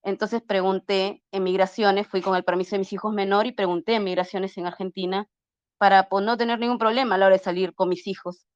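A woman's voice: medium pitch, steady tone, fairly quick, clean tone, no room sound. Earnest woman recounting a story. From Peru. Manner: earnest, acts out dialogue while retelling, frequent restarts. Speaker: interview guest. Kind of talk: casual storytelling. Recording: slightly muffled lo-fi audio.

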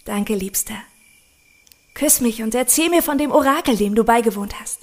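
A woman's voice: a little high, normal speed, close to an everyday voice. An actress playing a devout, curious young woman in love in an audio drama. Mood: adoring, curious. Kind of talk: German audio drama acting.

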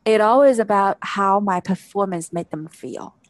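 A woman's voice: mid-range voice, moderate pace, no room sound. A woman from China speaks as an interview guest, reflective and earnest, in a medium voice of ordinary height. The sound is dry and close, with no room around it. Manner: reflective, earnest, repeats "exactly". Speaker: actress and coach, guest. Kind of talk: conversational interview.

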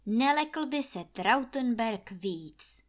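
A woman narrating a fairy tale for children in a lively, folksy storytelling manner. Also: on the high side.

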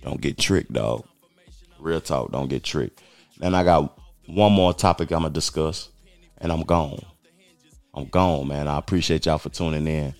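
Deep-voiced man in his forties, blunt. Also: measured pace, creaky, pauses often, darkish tone, dry recording, soft background music. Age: 40s. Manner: blunt, emphatic, streetwise talk. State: losing his voice. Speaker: podcast host. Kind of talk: casual commentary.

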